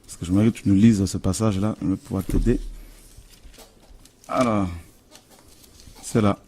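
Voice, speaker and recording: A man's voice: lowish voice, fairly even intonation, moderate pace, warm tone, slightly rough. Earnest French-speaking male preacher. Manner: earnest, repeats phrases, many fillers. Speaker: Christian preacher hosting a TV show. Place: TV studio.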